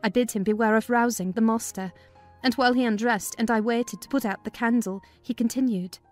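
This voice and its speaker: A woman narrating a dramatized audiobook in a measured, literary storytelling manner. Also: on the high side, fairly even intonation, soft background music.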